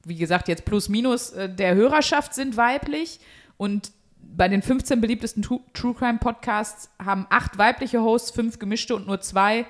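A woman's voice: on the high side, moderate pace. A woman hosting a podcast, talking in a casual, colloquial and playful way. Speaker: podcast host. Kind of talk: casual chat.

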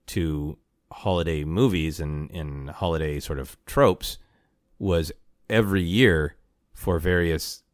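A man with a deep voice hosts a casual podcast. He is wry and playful in an easy conversational way. The sound is dry and close. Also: no room sound. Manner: chuckles often, wry and playful. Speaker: podcast host.

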